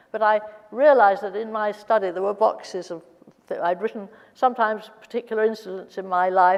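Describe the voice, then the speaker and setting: A woman with a British RP accent speaks at a moderate pace. Her pitch varies in an ordinary way. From England. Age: 80s+. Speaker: biographer and memoirist. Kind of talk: onstage interview. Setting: stage with audience. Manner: halting.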